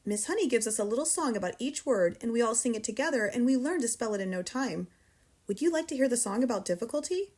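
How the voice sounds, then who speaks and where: A woman's voice: fairly high pitch, lively intonation, fast, a little mellow. A woman voicing a young schoolboy who chatters eagerly in a sing-song way.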